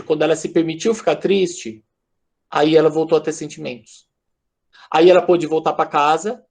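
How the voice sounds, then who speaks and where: A man with a Brazilian accent delivers an informal lecture over a video call. His delivery is conversational and animated, and he keeps addressing his listeners directly as he talks. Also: a little high. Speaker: speaker at an online lecture.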